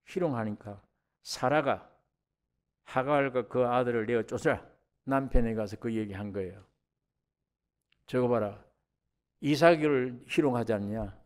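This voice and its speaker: A man preaching a sermon in a church, animated, who acts out biblical characters in dialogue and rises sharply in pitch and volume when stirred. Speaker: pastor. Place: church sanctuary.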